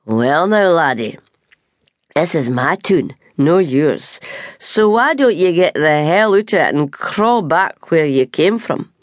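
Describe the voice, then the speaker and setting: A woman's voice: low voice, lively intonation, takes it slowly, dry recording, clean studio sound. A woman voicing a belligerent drunk Scottish working man, an ex-soldier, with a slurring, sneering manner. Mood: taunting.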